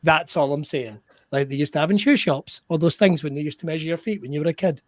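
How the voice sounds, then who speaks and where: A man's voice: on the high side, fast talker, no room sound. A man hosting an improv comedy show with rambling, sweary banter.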